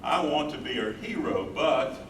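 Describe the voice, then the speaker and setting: A man's voice: mid-range voice, expressive, normal speed, lightly acted. An older man playing an earnest, devoted husband and caregiver in a staged reading, with emphatic phrasing. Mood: eager. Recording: roomy, distant, noisy live stage recording.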